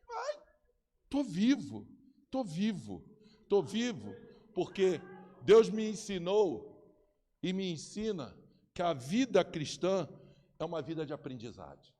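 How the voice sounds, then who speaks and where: A Brazilian man in his fifties with a Brazilian Portuguese accent, preaching with humor and playfully acting out other voices. His voice is high and swings widely in pitch. It rings with long reverb, as in a large church hall. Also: slow, pauses often. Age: 50s. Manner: animated storytelling, joking, acting out voices. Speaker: pastor. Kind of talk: sermon.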